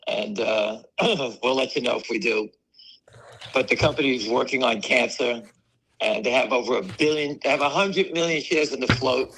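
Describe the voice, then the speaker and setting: A man with a voice hoarse from weeks of coughing, chatting in a rambling way as a guest on a live stream. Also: mid-range voice, fairly bright tone, a little hiss or hum, rough recording. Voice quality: gravelly, raspy. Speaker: guest on a stock market stream. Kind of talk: casual chat.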